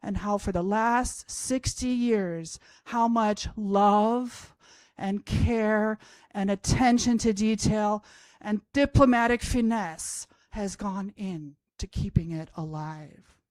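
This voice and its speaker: Addressing a college event crowd from the stage, a woman from Austria in her fifties, a professor of languages, tells an amusing story about herself with wry self-mockery. She speaks slowly at medium pitch in a darkish tone, recorded dry.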